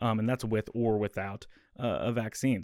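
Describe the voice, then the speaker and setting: A man talks at a moderate pace with a medium pitch. The recording is very clean, and the background is silent. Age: 30s. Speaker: podcast host. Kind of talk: casual solo commentary. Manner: unscripted, halting with fillers.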